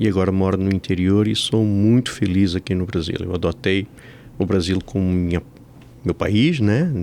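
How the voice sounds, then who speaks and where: A man speaks at a very deep, low pitch. He keeps a moderate pace. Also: ordinary pitch variation. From Portugal. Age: 50s. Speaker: financial educator. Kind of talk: casual interview chat.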